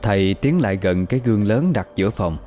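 Low-voiced guy narrating a spooky story, slow n even, soft music underneath. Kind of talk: scripted horror narration. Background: faint music.

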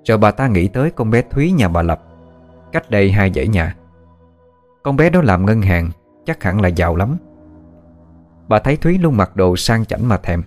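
Man, very deep voice, steady ghost story narration, faint music behind. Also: normal speed, long pauses.

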